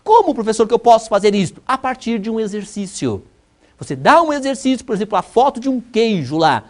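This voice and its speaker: A woman with a Brazilian accent giving a recorded university lecture, teaching by rhetorical questions and emphatic repetition. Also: mid-range voice. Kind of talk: recorded distance-learning lecture.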